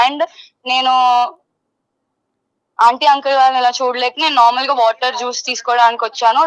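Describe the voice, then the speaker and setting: High-pitched, insistent young woman talking fast. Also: highs cut off. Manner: loud, insistent, repeats herself. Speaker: caller giving her side of a dispute. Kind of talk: heated phone interview, Telugu mixed with English.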